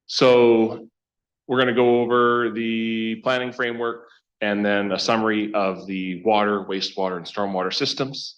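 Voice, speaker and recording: A man with a very low voice presents to a meeting as a project consultant. He talks conversationally and haltingly, often doubling back on his phrases. The sound is slightly muffled, as from a meeting room microphone. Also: fairly bright tone. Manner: halting, conversational, self-interrupting. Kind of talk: informal presentation to a council. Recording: dull, band-limited meeting room microphone.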